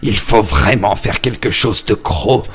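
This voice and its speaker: A man voicing a cocky, mischievous young pig in a cartoon fable, talking in excitable, bragging slang. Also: fairly low pitch, measured pace, soft background music. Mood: defiant.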